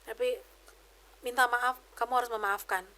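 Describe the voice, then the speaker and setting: High-voiced woman telling her story. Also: moderate pace. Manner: lively storyteller, slangy, drops in English phrases. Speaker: podcast guest giving testimony. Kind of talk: personal testimony, casual chat.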